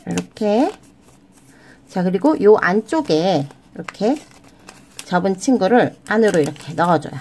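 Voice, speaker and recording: A woman hosting a children's origami tutorial, explaining each fold step by step in a gentle, sing-song way and addressing the kids as friends. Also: mid-range voice, lively intonation, unhurried, long pauses. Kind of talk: step-by-step craft instruction.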